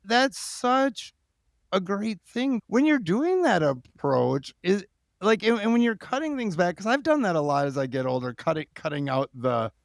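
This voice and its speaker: Podcast host: man, high lively voice, informal, halting phrasing, casual interview chat. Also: creaky, no echo, studio quality. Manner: informal, halting, thinking aloud.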